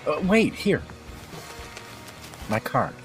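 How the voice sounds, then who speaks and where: A man's voice: a little high, big pitch swings, extremely slow, faint music behind, exaggerated voice. An actor playing an eager, friendly academic man in naturalistic audio drama dialogue. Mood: hopeful. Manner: friendly, conversational.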